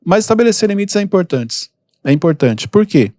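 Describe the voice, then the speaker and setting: A calm man hosting a podcast, giving relaxed advice with lots of everyday examples. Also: high-pitched, no echo, studio quality. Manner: calm, unhurried, gives examples. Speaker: podcast host and mentor. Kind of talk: casual advice talk.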